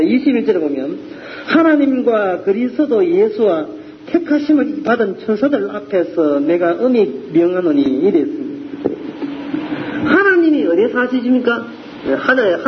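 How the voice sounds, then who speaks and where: A man's voice: high voice, highs cut off, slight background noise. A man with a Gyeongsang accent preaching a sermon, acting out the voices of the people in his examples. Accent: Gyeongsang Korean. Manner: animated, acts out voices of scoffers and soldiers. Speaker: pastor.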